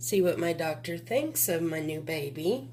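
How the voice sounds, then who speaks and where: A woman with a Southern US accent speaks at a very deep, low pitch with lively intonation. Noticeable background noise and audible room echo fill the recording. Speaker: vlogger and reborn doll collector. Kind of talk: casual vlog. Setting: at home in nursery. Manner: quiet, talking low.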